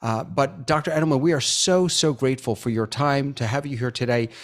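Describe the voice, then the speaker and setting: A man's voice: medium pitch, fairly quick. A man hosting a live webinar over a video call, chatty and upbeat with lots of fillers. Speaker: webinar host.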